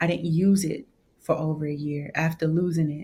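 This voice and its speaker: A woman's fairly low voice comes across somewhat breathy. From Michigan, Saginaw. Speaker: gospel singer. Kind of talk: casual interview storytelling. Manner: animated.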